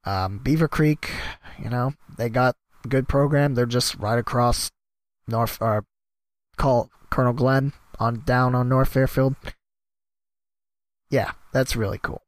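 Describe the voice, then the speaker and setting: A man's voice: mid-range voice, a little slow, long pauses, dry recording. Man, rambling podcast host, worn coughy voice, dry close sound. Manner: rambling, self-deprecating, jumps between topics. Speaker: podcast host and sports announcer. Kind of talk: casual solo podcast monologue.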